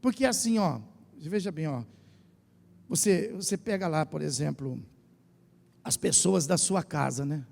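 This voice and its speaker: A Brazilian man with a São Paulo accent preaching a lively sermon as pastor, drawing the congregation into call and response. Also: a little high, unhurried, vocal fry, pauses often. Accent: Brazilian Portuguese, São Paulo state. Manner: animated preaching, asks the congregation to repeat phrases. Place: church hall. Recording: church hall with long reverb.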